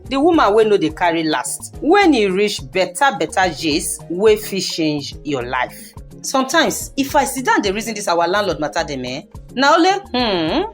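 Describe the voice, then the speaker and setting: A woman performs a lively, streetwise Nigerian woman giving advice on radio in Pidgin. Her delivery is folksy and persuasive, with a very animated pitch that swings up on exclamations. Faint music plays behind her. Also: close to an everyday voice. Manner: folksy, exclamatory, persuasive, addressing listeners directly. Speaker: radio segment presenter.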